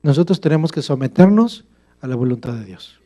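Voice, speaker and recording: A man's voice: medium pitch, expressive, fairly quick, warm tone, muffled recording. A male pastor preaching a sermon, emphatic and full of rhetorical questions to the congregation.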